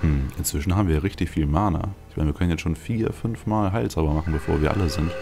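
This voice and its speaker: A man's voice: deep voice, quick pace, creaky. A man giving casual gameplay commentary as a let's play host, rambling and thinking aloud. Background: video game music.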